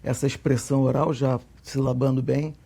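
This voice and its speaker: A Brazilian man with a Brazilian Portuguese accent, answering interview questions in a measured way and repeating his key points. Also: mid-range voice, flat delivery, creaky, mellow, husky. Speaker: guest, co-author of a literacy method.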